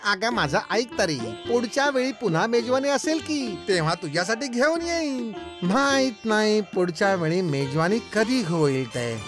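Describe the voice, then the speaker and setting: A woman's voice: medium pitch, sing-song, normal speed, hardly any pauses, lightly acted. A woman voicing a penny-pinching, foolish cartoon husband who wheedles and haggles in a whiny, exaggerated way. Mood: pleading. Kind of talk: animated children's story acting. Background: clear background music.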